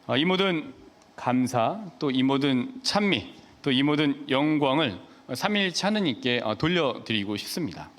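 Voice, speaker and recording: Measured priest in a reverberant church. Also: male voice, mid-range voice, lively intonation. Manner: measured, gentle pauses with filler sounds. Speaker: Catholic priest. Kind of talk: homily at Mass.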